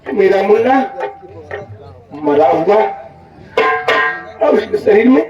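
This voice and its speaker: A man playing a grief-stricken village husband and father in folk stage theatre, declaiming in a drawn-out lament. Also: high voice, expressive. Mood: anguished. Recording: dull far-off echoey stage recording with loud music.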